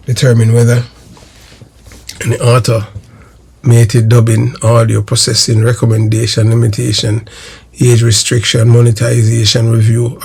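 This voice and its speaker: Gravelly, husky Jamaican man giving commentary. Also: mid-range voice, a little mellow. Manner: declamatory, repeats phrases for emphasis. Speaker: host of a political history video channel. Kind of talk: emphatic political commentary addressed to viewers.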